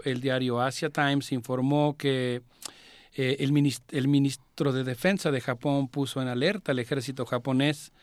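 A man co-hosting a radio program, explaining world affairs in a measured way with frequent filler sounds. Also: mid-range voice, no room sound, clean studio sound. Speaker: radio co-host and commentator.

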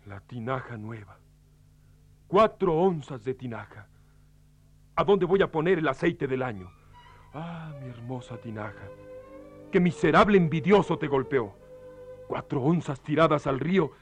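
Radio drama: tight-fisted, volatile landowner, high-ish voice, accusatory and sorry for himself, music behind. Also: male voice, expressive, moderate pace, long pauses, husky. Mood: lamenting. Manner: accusing, threatening, self-pitying. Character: miserly hot-tempered olive farm boss, ranting and lamenting. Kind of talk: theatrical radio play acting.

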